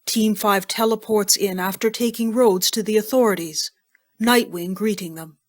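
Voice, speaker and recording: A woman's voice: medium pitch, normal speed. A woman reading scripted scene narration for an audio drama.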